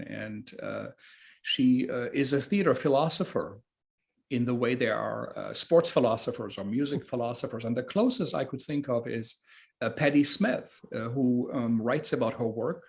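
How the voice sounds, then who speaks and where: Halting man hosting a book talk, mid-pitched. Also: creaky. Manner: halting, hesitant phrasing with frequent repeats. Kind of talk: interviewing, conversational introduction.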